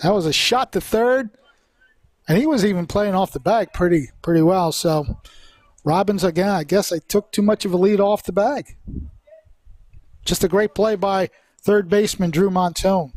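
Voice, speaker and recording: High-voiced man calling live baseball. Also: moderate pace, long pauses, darkish tone, no room sound. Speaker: play-by-play sports commentator.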